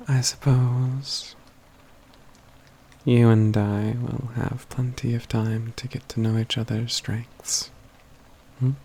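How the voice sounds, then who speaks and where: The speaker is a man in a near-whispered ASMR fantasy roleplay, breathy and soft, playing a self-assured mage companion who is caring and wry. He chooses his words in a measured, formal way, keeping a mid-range, level voice that feels warm and wry. Slight background noise is audible.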